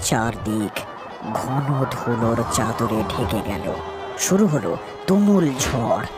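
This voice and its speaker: Man narrating a cartoon story, dramatic, lively pitch, loud music underneath.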